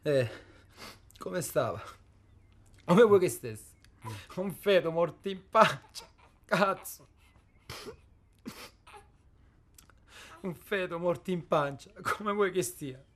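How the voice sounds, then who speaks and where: An actor playing a tense local fixer from Salento, speaking with a Salento accent and breaking into shouts. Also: male voice, high voice, expressive, slow pace, full character voice. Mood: grim weary. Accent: Salento Italian. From Salento, southern Italy. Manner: tense, edgy, shouting in bursts. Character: desperate rough man, hardened local fixer. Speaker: local safari organizer. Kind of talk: short film acting. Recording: noisy location recording.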